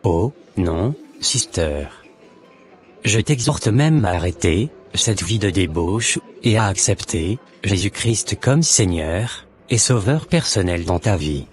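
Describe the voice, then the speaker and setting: A man's voice: lowish voice, animated, slow, soft background music. A man playing an earnest, solemn born-again Christian with a preachy, formal manner in an amateur cartoon. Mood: firm, apologetic.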